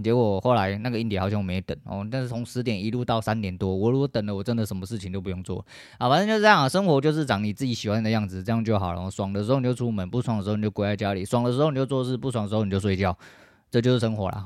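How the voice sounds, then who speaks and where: Fast-talking, foul-mouthed podcast guy. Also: fairly low pitch, dry recording, clean studio sound. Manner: rambling, profane, laid-back. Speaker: podcast host. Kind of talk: casual monologue.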